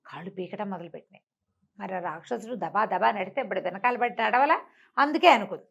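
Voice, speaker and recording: A woman's voice: medium pitch, fast, gravelly, a bit bright, muffled recording. A woman storyteller telling a moral tale conversationally, repeating phrases and asking rhetorical questions.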